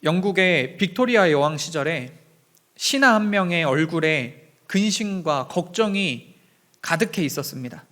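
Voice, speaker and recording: A young man preaches a Sunday sermon in a church with a fairly high voice. He tells stories earnestly and tenderly, speaking straight to his congregation. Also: lively intonation, a little slow, sharp tone. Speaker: pastor. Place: church sanctuary.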